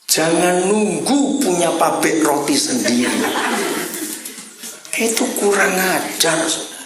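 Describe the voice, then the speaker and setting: A man preaching a lively sermon to a congregation with a slight tinge. He swings from soft asides to loud shouted lines and teases the crowd. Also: on the high side. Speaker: pastor. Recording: roomy church hall with congregation.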